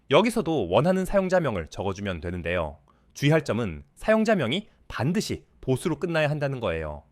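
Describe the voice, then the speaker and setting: A man calmly narrating a step-by-step coding tutorial in polite, scripted instructions. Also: mid-range voice, dry recording, clean studio sound.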